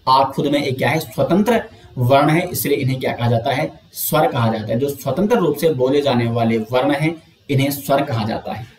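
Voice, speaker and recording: This exam coaching lesson comes from a man of medium pitch, recorded in a room with echo. He breaks things down step by step, answers his own questions, and draws sounds out slowly as examples.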